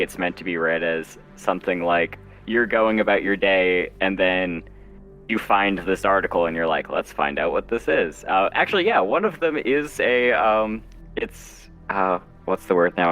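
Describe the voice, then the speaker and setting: A man chatting casually as an interview guest, halting and self-deprecating as he explains his writing work. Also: low voice, a bit bright, soft background music, poor audio. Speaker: guest author and zine editor.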